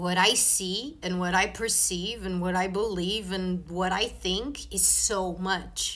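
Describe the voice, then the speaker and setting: With hardly any pauses, a woman talks at a very slow pace and medium pitch over noticeable background noise. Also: fairly even intonation. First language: not English. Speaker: spiritual vlogger. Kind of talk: casual monologue vlog. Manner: informal, conversational.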